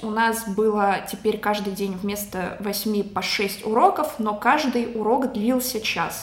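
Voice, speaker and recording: Over noticeable background noise and audible room echo, a woman talks at a fairly high pitch with ordinary pitch variation. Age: 20s. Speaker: university student. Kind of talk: interview.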